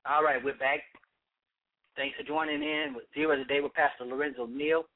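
A man, a pastor, hosting a live call-in radio talk show, speaking conversationally with frequent restarts and preacherly rises, his voice going hoarse. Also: medium pitch, little pitch movement, a little fast. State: losing his voice. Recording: tinny phone-like line.

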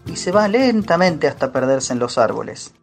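A woman's voice: low-pitched, very animated, moderate pace. A woman narrator reading scripted scene descriptions for a radio play, with faint music behind.

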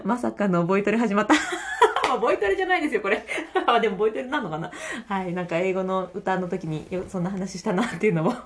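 A woman with a Kansai accent hosting a casual solo audio chat, laughing often between phrases and reacting aloud to listener comments. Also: mid-range voice. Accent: Kansai Japanese. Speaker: podcast host.

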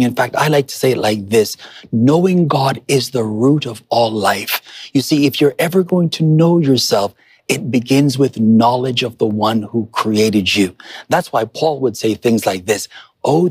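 A man's voice: medium pitch, normal speed, darkish tone, breathy edge, no room sound. A man preaching a motivational sermon as a pastor, speaking emphatically and instructing listeners directly, repeating key phrases for weight. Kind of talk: motivational sermon to an online congregation.

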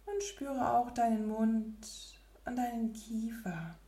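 A woman leading a guided relaxation meditation in a soft, breathy, near-whispered spa voice with gentle pauses. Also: on the high side, roomy sound. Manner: slow, gentle, with long pauses.

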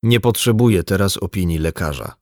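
A man's voice: sits low, animated, brisk, darkish tone, dry recording, clean studio sound. A man doing a terse amnesiac stranger. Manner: terse, guarded. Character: wounded amnesiac man, tense and guarded. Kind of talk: audiobook dialogue.

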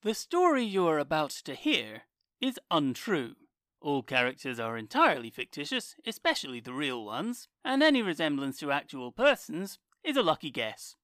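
An actress playing the formal, deadpan announcer of a comic audio serial, reading scripted titles. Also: female voice, deep voice, normal speed, dry recording, studio quality.

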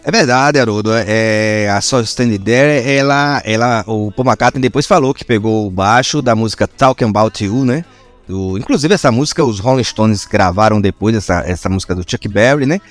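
A man with an Alagoas accent co-hosting a casual music podcast, relaxed and slangy, often repeating words as he talks. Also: lowish voice, normal speed. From Alagoas, Brazil. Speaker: podcast co-host. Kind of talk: casual podcast chat about music albums.

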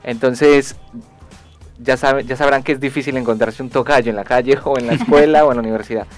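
A young man, a sports journalist, guesting on a radio show and talking with polite, hesitant pauses and restarts. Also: mid-range voice, steady tone, soft background music. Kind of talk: radio studio chat.

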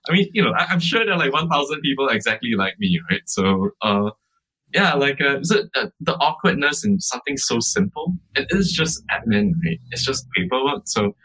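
A man's voice: mid-range voice, sing-song, moderate pace, sharp tone, slightly rough, low-quality recording. A man who co-founded a startup, answering interview questions casually, with many fillers like "like" and "uh" and frequent restarts. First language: English.

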